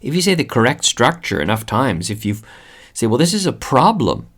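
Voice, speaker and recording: A man's voice: medium pitch, big pitch swings, moderate pace, a bit bright. Man teaching English in a podcast lesson. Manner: patient, repeats examples and checks in with "okay?"; switches between English and Spanish to explain.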